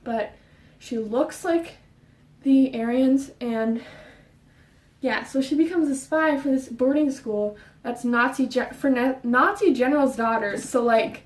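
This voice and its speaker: The roomy audio places this high-voiced young woman far from the mic as she chats about books in her bedroom. She sounds breathless, rushing along with fillers, restarts and plenty of rambling.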